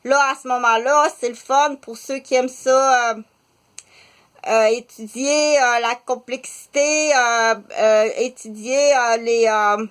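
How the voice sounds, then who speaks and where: A Québécois woman in her fifties talks in a slow, unhurried monologue, stopping often on filler sounds. Her voice sits a little high for a woman. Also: steady tone, fairly bright tone. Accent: Québécois French. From Quebec. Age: 50s. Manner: halting, many filler pauses, mixes French and English. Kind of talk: casual spoken monologue.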